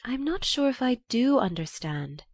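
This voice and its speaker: A woman voicing a composed, dignified young society woman who speaks softly and earnestly. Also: on the high side, sing-song, measured pace, no echo, clean studio sound, voice pushed up.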